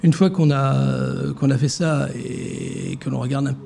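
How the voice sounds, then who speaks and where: Gravelly guy with a dark voice, lots of ums and restarts, tv interview, bit of hiss. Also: medium pitch, steady tone, unhurried. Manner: hesitant, many fillers and restarts. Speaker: director of a social security fund, interview guest. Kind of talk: TV interview answers.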